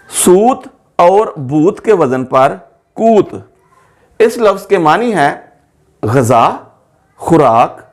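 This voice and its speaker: A man teaching an Urdu pronunciation lesson, slowly repeating each word to show how it is said. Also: fairly high pitch. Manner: slow, careful, repeats words to stress pronunciation.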